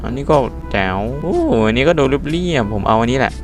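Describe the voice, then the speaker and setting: A man's voice: medium pitch, lively intonation, fairly quick. A man giving loose, casual commentary while playing a car game, talking to himself and swearing freely. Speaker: gaming YouTuber. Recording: game music playing under the voice.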